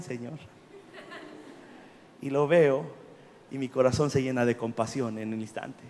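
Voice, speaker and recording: Male preacher, high voice, animated storyteller, heard with long church-hall reverb. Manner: animated storytelling, acting out dialogue, swelling to fervent exclamation. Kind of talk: sermon with personal storytelling.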